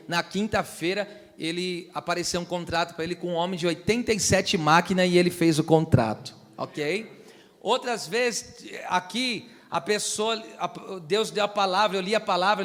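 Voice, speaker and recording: A man's voice: high voice, fairly bright tone, long reverb tail. A man preaching a sermon as pastor, teaching and asking the congregation to repeat after him. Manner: teaching, asks the church to repeat phrases and check understanding. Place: church hall.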